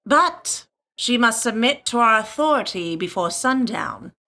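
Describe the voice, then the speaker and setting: An actress playing a stern, condescending older female council elder in a fantasy audio drama, speaking in a measured, formal way. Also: fairly high pitch, animated, sharp tone, full character voice. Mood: cool, commanding.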